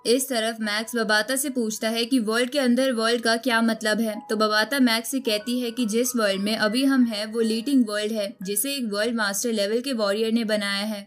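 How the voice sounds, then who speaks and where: A woman's voice: fairly high pitch, fairly even intonation, brisk, few pauses. A woman reading a scripted story recap as a narrator, telling the events in storytelling style. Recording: music bed under the voice. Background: background music.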